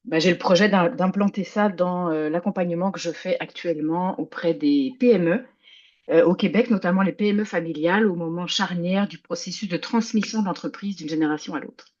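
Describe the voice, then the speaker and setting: A woman's voice: lowish voice, a little fast, darkish tone, muffled recording. A woman speaking informally as a workshop participant on a video call, searching for words and restarting phrases. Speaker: workshop participant, small business advisor. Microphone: video call microphone.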